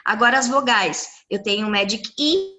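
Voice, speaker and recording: Over a computer mic on a video call, a woman teaching English runs a live online class on pronunciation rules, sounding lively and encouraging. Her pitch is fairly high and her speed normal.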